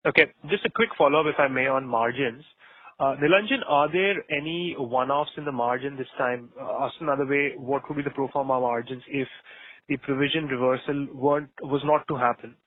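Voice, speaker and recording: Man, analyst, mid-pitched voice, polite probing questions, earnings call, thin phone-like audio. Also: a little fast. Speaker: financial analyst asking questions. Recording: dry, narrow phone-like line.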